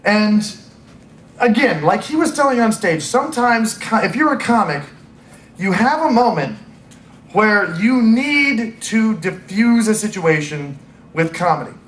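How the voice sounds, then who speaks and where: High-voiced man telling stories in an echoey hall. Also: a little slow, slight background noise. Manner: animated, mimics voices in quoted dialogue. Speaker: convention panel host. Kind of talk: comedic storytelling to a live audience. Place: convention panel room. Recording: echoey room with faint ambience.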